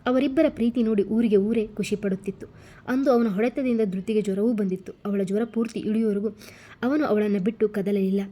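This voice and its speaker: A woman storyteller giving a scripted story narration in a steady, even manner. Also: medium pitch, fairly quick.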